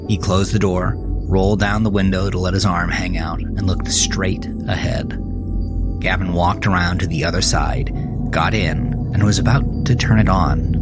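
A man narrating scripted horror fiction in a deliberate, dramatic storytelling manner. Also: deep voice. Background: music.

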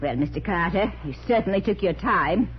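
A woman's voice: mid-range voice, expressive, moderate pace, lightly acted. A woman plays a wealthy society aunt from a 1940s radio play. She is imperious and irritable, snapping out commands. The recording is dull, with faint noise. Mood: irritated.

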